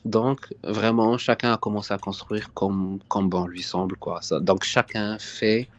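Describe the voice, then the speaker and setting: A man's voice: on the low side, fairly even intonation, a little slow, dull audio. A young man from Morocco, a guest in a casual live-stream interview, who hesitates and repeats his words as he answers. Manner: hesitant, repeats words, often says "sincèrement".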